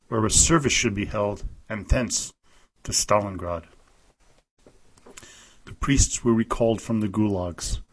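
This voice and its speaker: Husky man narrating history. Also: medium pitch, low-quality recording. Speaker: podcast narrator.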